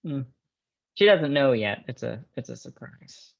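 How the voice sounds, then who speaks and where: An actor playing a shy, smitten, curious customer in a script table read, speaking hesitantly. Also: male voice, medium pitch, animated, measured pace, vocal fry, muffled recording. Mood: bashful, smitten.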